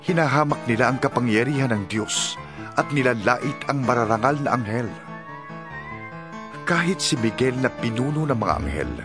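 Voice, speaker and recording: Solemn Filipino man narrating scripture over music. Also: medium pitch. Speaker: audio Bible narrator. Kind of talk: dramatized scripture narration in Tagalog. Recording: music under the voice.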